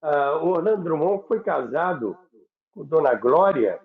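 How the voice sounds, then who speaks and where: A man's voice: on the high side, animated. Older Rio man, roomy phone-like sound. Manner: halting, repeats words, unhurried. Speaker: radio veteran and program host. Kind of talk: reminiscing conversation about radio history.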